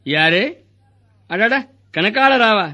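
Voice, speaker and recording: A man performing a comic hospital sketch, bossy and mocking in rapid back-and-forth banter. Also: sits high, expressive, bright, forceful tone. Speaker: comic actor playing a corrupt hospital doctor.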